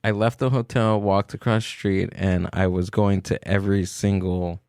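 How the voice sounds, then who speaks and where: A man's voice: sits low, little pitch movement, normal speed, a little mellow, clean tone, no room sound, studio quality. A man hosting a podcast, chatting in an easygoing way and tossing in "dude". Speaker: podcast host. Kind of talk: casual chat.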